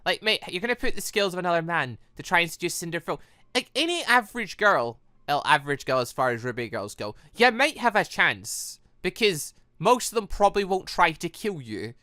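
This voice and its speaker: Male gaming commentator, lively swooping pitch, bright tone, rambling casual asides, dry recording. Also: a little fast, no room sound. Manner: rambling, animated, stammering asides. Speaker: gaming video host. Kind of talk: casual game playthrough commentary, reading dialogue aloud.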